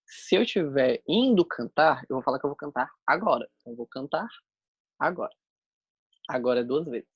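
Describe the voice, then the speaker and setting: A man's voice: medium pitch, expressive, fairly quick, slightly rough, no echo, highs cut off. A man teaching a sign language class, explaining step by step as he demonstrates the signs.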